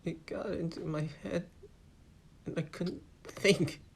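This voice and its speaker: A man voicing a distraught, bitter daughter who talks haltingly and breaks off mid-sentence. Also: a little high, steady tone, vocal fry, breathy edge, full character voice. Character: distraught middle-aged daughter, bitter and unhinged. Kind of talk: dramatic story reading.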